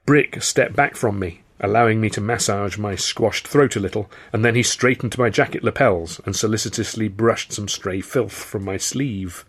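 A man's voice: on the low side, moderate pace, few pauses, slightly rough. A man reading his own first-person novel aloud as an audiobook narrator. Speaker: author and narrator.

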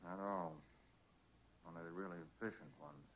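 An actor playing a brisk, authoritative master detective in a 1940s radio crime drama, speaking in a deliberate, clipped, commanding way. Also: male voice, sits low, steady tone, a bit bright, a little hiss or hum. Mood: hushed, cautious. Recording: muffled vintage 1940s radio recording.

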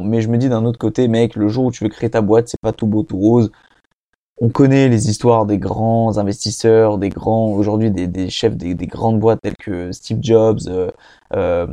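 A man's voice: medium pitch, warm tone, dry recording. A young man hosting a casual self-help monologue, talking in a rambling, slangy way with many restarts. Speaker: podcast host.

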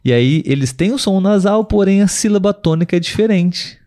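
A man hosting a live podcast language lesson, speaking patiently and repeating words slowly for learners, often checking with his listeners. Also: high voice, animated, warm tone. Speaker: podcast host and language teacher.

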